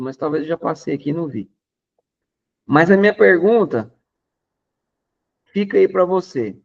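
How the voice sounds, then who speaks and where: A man with a Brazilian Portuguese accent preaching a lively, conversational sermon. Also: on the high side, gravelly, dull audio. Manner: animated, emphatic, conversational preaching. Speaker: pastor.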